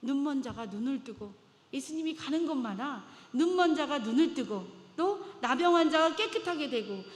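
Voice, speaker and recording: High-voiced woman preaching in a reverberant church. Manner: dramatic, acts out biblical voices. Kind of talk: sermon. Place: church sanctuary. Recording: long reverb of a church hall.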